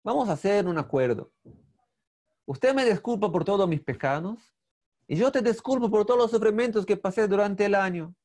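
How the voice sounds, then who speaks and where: Poor simple peasant pleading with God, as a male teacher puts him on, plaintive, earnest, gravelly, fairly high, Portuguese first language. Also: lively intonation, normal speed, a little mellow. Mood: bargaining.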